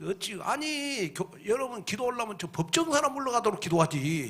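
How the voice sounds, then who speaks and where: A man with an extremely high-pitched voice speaks in a raised, projected way with an animated tone and very wide pitch swings over noticeable background noise. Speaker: pastor. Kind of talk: sermon. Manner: animated, conversational.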